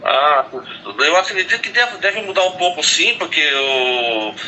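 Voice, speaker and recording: A Brazilian man, a sports commentator, talking football in a relaxed, matter-of-fact way over a video call. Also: a little high, measured pace, highs cut off, slight background noise. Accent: Brazilian Portuguese. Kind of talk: casual sports chat.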